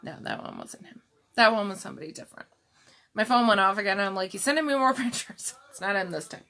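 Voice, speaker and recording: Slowly showing off jewelry on a live stream, a middle-aged woman with a gentle, calm manner responds to viewers by name. Her pitch is medium.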